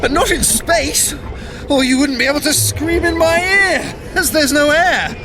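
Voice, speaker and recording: A man's voice: extremely high pitch, measured pace, over music, crowd noise. A man acting in an audio drama as a sly, flippant, scheming trickster god bickering with his brother, glib and self-satisfied but given to hedging. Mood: wry.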